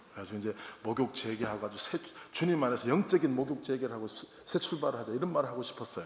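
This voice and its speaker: Lively intonation from a man with a non-native accent, amid noticeable background noise. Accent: Korean spoken as second language, non-fluent. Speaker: pastor. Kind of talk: sermon. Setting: church.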